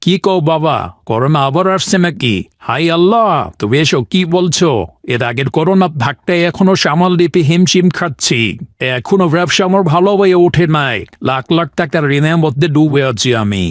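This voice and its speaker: A man's voice: on the high side, moderate pace, no room sound, studio quality, lightly acted. A man voicing an anxious, gullible village trader in a cartoon, fretful and exclaiming, with a Bangladeshi accent. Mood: worried. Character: anxious debt-ridden male village trader, gullible uncle. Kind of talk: cartoon character acting.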